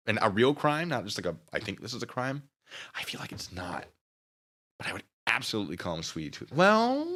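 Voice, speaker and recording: A man's voice: medium pitch, pushed and bright. A man live streaming, rambling casually with mock-petty sarcasm while reading chat.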